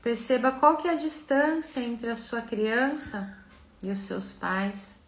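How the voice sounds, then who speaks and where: A Brazilian woman leads a guided relaxation and visualization in a slow, gentle, soothing manner with long pauses. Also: fairly high pitch, expressive. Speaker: mentor and therapist leading a live session. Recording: echoey room sound.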